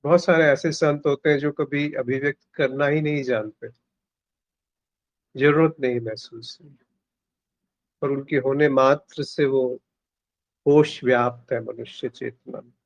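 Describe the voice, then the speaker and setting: Male spiritual teacher, unhurried reflective delivery, dry close sound. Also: mid-range voice, steady tone, no room sound, highs cut off. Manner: slow, contemplative, with pauses. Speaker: spiritual teacher leading satsang.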